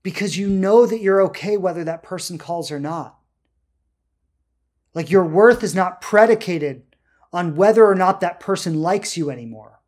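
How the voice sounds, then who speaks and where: Emphatic, deliberate spiritual self-help coach. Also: medium pitch, darkish tone. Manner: emphatic, deliberate, with drawn-out words and rhetorical check-ins. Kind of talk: motivational spiritual talk, unscripted.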